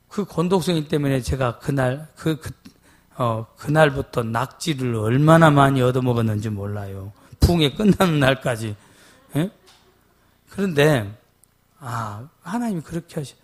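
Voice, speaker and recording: 부흥회에서 설교하는 남자 목사로, 이야기를 하며 대화를 흉내 내고 "예?" 하고 회중에게 자주 묻는다. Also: male voice, medium pitch. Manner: animated, acts out dialogue, often asks the congregation "예?". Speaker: pastor. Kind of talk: revival sermon with storytelling.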